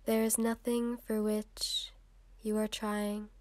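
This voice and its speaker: Soft and unhurried, this woman's guided meditation is calming, breathy at times and full of long pauses. She speaks in a mid-range voice with a level tone, and the recording has no room sound.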